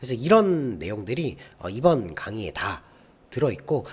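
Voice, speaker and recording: A man with a somewhat breathy voice talks at a moderate pace, his pitch swinging very widely. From South Korea, Busan. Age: 40s. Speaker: online marketing instructor and ad agency owner. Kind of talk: video intro to a lecture.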